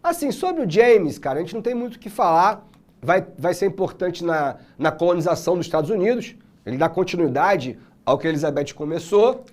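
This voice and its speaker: Brief: Brazilian male history teacher, high voice, slangy and animated, casual exam-prep lecture. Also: brisk.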